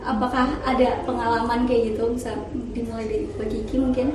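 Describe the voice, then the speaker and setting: A woman's voice: on the high side, flat delivery, fairly quick. A young woman co-hosting a podcast, asking friendly questions in a casual interview. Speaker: podcast co-host. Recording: very echoey room with noise.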